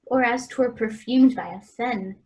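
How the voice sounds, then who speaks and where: A woman's voice: on the high side, a little slow, a little mellow. A woman playing a glib, jeering nobleman in a Shakespeare radio play, with teasing, quippy delivery.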